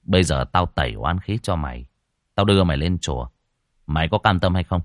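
A man voicing a brash, rough-talking young ghost exorcist who taunts and threatens. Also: deep voice, animated, brisk, no room sound, clean studio sound. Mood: stern. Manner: taunting, swaggering, rough-spoken.

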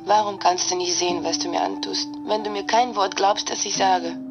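An actress playing a sorrowful, romantic and evasive online sweetheart from Russia in a German radio drama, emotional and imploring. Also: female voice, mid-range voice, fairly even intonation, moderate pace, music in the background, close to an everyday voice. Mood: hurt, pleading.

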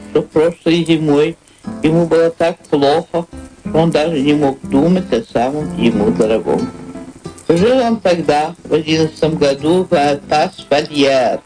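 A low-voiced, solemn woman poet reminiscing. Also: measured pace, poor audio. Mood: solemn, reflective. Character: female poet solemnly remembering a lost friend. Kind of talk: literary memoir monologue in a radio drama. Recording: music behind the voice.

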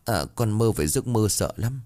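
A man's voice: fairly low pitch, animated, normal speed, dark tone, voice pushed up, natural voice. Man playing a frightened schoolgirl. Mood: uneasy. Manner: pleading. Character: frightened schoolgirl, timid and pleading.

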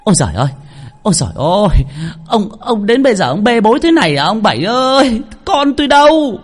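A man voicing a frantic village wife who wails and shrieks in long, drawn-out cries. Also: high-pitched, sing-song, voice pushed up. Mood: panicked wailing.

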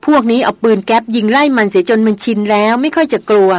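A woman voicing a seasoned male jungle hunter who reports in a plain, unhurried way. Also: fairly high pitch, no room sound, natural voice. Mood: calm.

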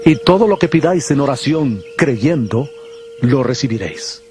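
A solemn, authoritative teacher played by a man in a scripture audio drama. His voice is mid-pitched and declamatory, set against clear background music. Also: animated, normal speed, close to an everyday voice. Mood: firm, teaching.

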